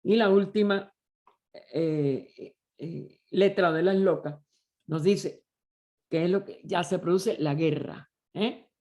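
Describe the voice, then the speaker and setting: Slow, searching male study leader. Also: high-pitched, a little mellow. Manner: deliberate, searching for words, many pauses and restarts. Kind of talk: slow explanatory study lecture.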